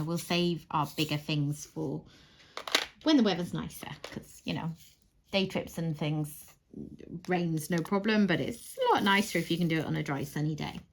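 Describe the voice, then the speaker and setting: A woman in her thirties chatting away as she crafts, rambling and laughing softly, often restarting her sentences. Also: low voice. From Wales. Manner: rambling, warm, frequent soft laughs and restarts. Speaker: crafting channel host. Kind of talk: chatty monologue while crafting.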